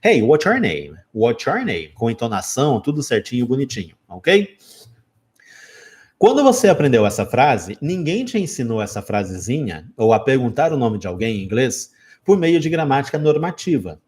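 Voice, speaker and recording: A Brazilian man in his forties explaining grammar in a live online English lesson. His pitch rises and falls in wide, animated swings as he teaches. He stops often to ask his viewers whether they are following. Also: normal speed. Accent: Brazilian Portuguese.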